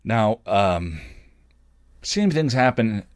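A middle-aged man hosting an online show, speaking in a candid, halting, thoughtful personal monologue. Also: lowish voice, very animated, clear, resonant tone, dry recording, studio quality.

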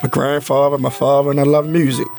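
A man's voice: mid-range voice, little pitch movement, quick pace, creaky, a little mellow, faint music behind. A man in his forties, a guest DJ, speaking modestly in short, laid-back answers. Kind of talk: casual chat.

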